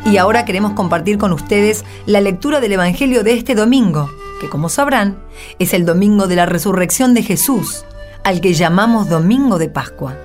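An Argentine woman reading scripted narration in a measured, solemn manner. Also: mid-range voice, expressive, music in the background. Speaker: narrator and Gospel reader.

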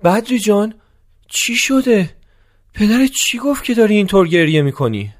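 An actor playing a caring, concerned young fiancé in a radio play. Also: male voice, sits high, expressive. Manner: concerned, soothing.

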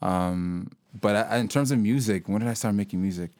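A young man from Sudan, a local hip-hop artist, talking about his music in a relaxed, rambling way with many fillers and restarts. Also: lowish voice, fairly quick, no echo. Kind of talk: casual interview conversation.

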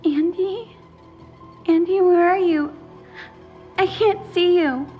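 A woman's voice: very high-pitched, slow, dull audio, faint music behind. A woman voicing a lost, frightened ghost girl trapped underground in a narrated horror story. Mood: lost, scared. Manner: small, frightened and confused.

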